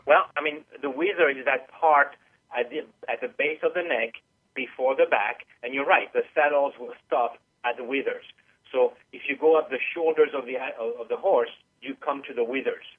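A man's voice: mid-range voice, moderate pace, slightly rough. A man who teaches animal massage, patiently explaining on a radio call-in interview with many small hesitations. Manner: patient, explanatory, with frequent uh fillers. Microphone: phone call. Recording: tinny phone line.

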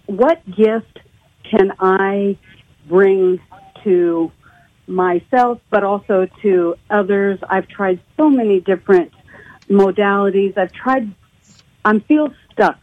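A woman's voice: mid-range voice, slow. A woman calling in to a talk show over the phone, hesitant and searching for words. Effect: heard over a phone line. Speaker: caller. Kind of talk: call-in radio chat. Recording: tinny phone line.

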